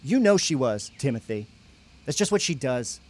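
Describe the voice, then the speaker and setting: Man playing animated, resentful young camper. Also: medium pitch, moderate pace. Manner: griping, emphatic, slangy. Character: brash, resentful, foul-mouthed young man at church camp. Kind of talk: naturalistic audio drama dialogue.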